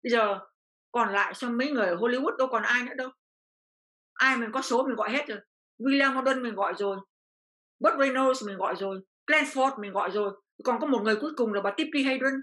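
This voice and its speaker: Bright-voiced older woman telling her story. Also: a little high, fast talker. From Vietnam. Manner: repeats phrases, voice rising with feeling. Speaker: interview guest. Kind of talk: emotional personal storytelling.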